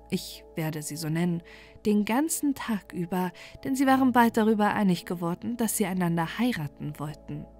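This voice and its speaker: A woman reads a fairy tale aloud for falling asleep, calm and soothing at a middling pitch. Her delivery stays even and gentle throughout. Soft music sits faintly underneath. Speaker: storyteller. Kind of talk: bedtime fairy-tale narration.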